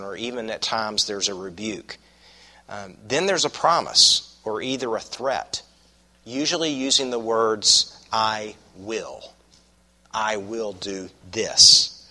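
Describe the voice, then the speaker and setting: The audio is poor as a Southern-accented pastor, hoarse from a cold, delivers an expository sermon to his congregation. His mid-range voice has a sharp tone, and he preaches in an unhurried, folksy manner, repeating phrases for emphasis.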